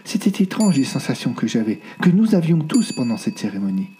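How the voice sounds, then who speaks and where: Dark-voiced, expressive male storyteller. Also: medium pitch, brisk. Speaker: audiobook narrator. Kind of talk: scripted narration.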